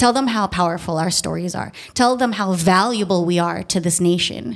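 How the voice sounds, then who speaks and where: Very clean recording, silent background, with a woman speaking at medium pitch. She has an unremarkable speaking voice and keeps a moderate pace. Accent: American. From US, Filipino American family. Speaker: actress and singer. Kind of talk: live panel discussion. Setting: stage with audience.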